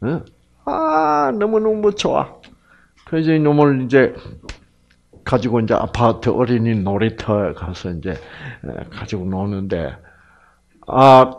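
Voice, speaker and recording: A man giving a health lecture who acts out little scenes and keeps asking his audience questions. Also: fairly low pitch. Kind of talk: lively lecture.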